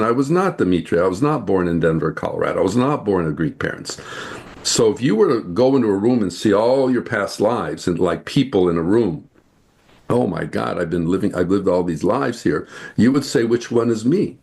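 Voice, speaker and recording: Low-voiced man explaining spiritual ideas. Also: animated, creaky, darkish tone. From United States. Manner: earnest, explanatory, slows to stress points. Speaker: guest. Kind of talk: spiritual interview talk.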